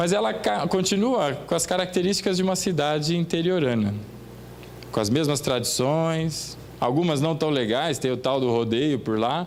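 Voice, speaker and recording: A man's fairly high voice at a moderate pace, lively intonation and very even loudness, with audible room echo. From interior of São Paulo state, Brazil (Pompeia). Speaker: pastor. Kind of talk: sermon. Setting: church service.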